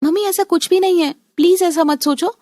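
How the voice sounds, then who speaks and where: A woman voicing a sweet, pleading young daughter-in-law in an animated story. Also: very high-pitched, brisk, dry recording, pitched above the performer's own voice.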